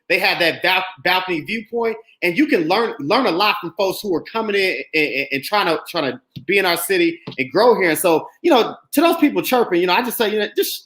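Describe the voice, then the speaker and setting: A man's voice: sits high, roomy sound. A man from Indianapolis hosting a podcast, talking in a casual, emphatic and outspoken way. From Indianapolis, USA. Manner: emphatic, animated, speaks his mind. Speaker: podcast host.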